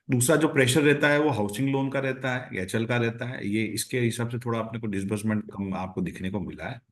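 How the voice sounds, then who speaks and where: A man with a low-pitched Indian-accented voice speaks as a company executive on an earnings call. He explains processes point by point, often restating a phrase to drive it home. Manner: repeats phrases for emphasis. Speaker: company executive answering questions.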